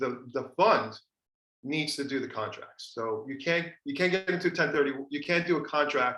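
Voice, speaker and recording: A man's bright, sharp tone, fairly high-pitched, with ordinary pitch variation. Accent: New Jersey. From New Jersey. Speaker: investment fund presenter. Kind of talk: webinar presentation. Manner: fast talker.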